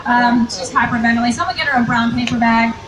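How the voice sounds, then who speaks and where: A woman's voice: a little high, quick pace. A woman moderating a convention Q&A, chatty and upbeat, calling on fans one by one. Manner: chatty, upbeat, directs the queue. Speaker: panel moderator. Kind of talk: hosting a convention Q&A. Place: large convention hall. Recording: echoey hall, distant mic, crowd noise.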